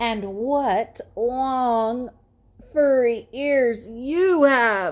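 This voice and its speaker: A woman puts on a character voice, pitched high. She talks at a very slow pace. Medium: read story.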